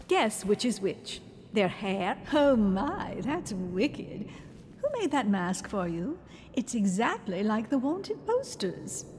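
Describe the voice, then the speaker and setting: A woman's voice: a little high, very animated, slow pace, a little mellow, slight background noise. Swooping, flirtatious society lady. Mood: arch, gossipy. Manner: arch, playful, coquettish. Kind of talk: video game character dialogue. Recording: echoey hall, music behind.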